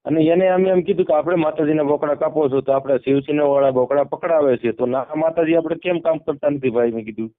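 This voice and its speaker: Male caller, slightly high voice, Saurashtra Gujarati accent, deferential, repetitive phrasing, tinny telephone audio. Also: steady tone, fast talker, few pauses. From Amreli district, Gujarat, India. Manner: deferential, repeats himself. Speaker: caller seeking help. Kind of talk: informal phone conversation. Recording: narrowband phone call audio.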